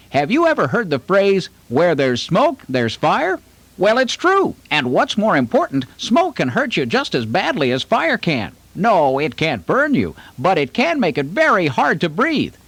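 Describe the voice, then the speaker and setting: A man's voice: high-pitched, huge pitch swings, unhurried, a bit bright, slightly rough, no echo, heavily acted. A man voicing a friendly puppet host who patiently explains fire safety to children in a puppet show. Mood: instructive. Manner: patient, instructive, talks to children.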